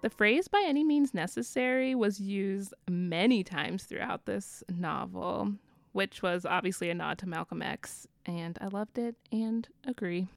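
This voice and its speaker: A woman's voice: mid-range voice, a little slow, creaky, no echo, studio quality. A woman from the American South with a Southern accent, co-hosting a casual book podcast, chatty with frequent laughs. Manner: chatty, laughs often, many fillers.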